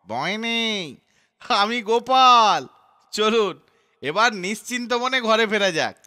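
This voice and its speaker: A crafty cartoon court jester with a very high, smooth voice. He speaks theatrically and sly, close and dry, as a quick-witted trickster. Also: animated, pushed and bright, dry recording, exaggerated voice. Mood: confident, amused. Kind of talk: animated children's cartoon acting.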